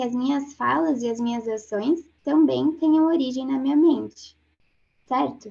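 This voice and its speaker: At a fairly slow pace, a woman with a high pitch and a dark, mellow tone speaks with ordinary pitch variation. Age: 20s. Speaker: dentist and student presenter. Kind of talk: personal reflection presentation.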